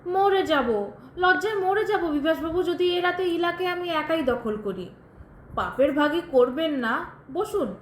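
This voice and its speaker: A woman's voice: extremely high pitch, animated, measured pace. An actress playing a bitter, sardonic widow who tells her tragic story in a pointed, dramatic way in an audio drama. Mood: sly, taunting. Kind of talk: Bengali audio drama acting. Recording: roomy echo, faint background noise.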